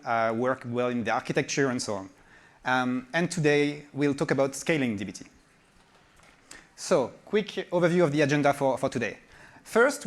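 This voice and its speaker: A man with a French accent presenting a conference session, talking with frequent fillers and restarts. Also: mid-range voice. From France. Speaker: conference speaker.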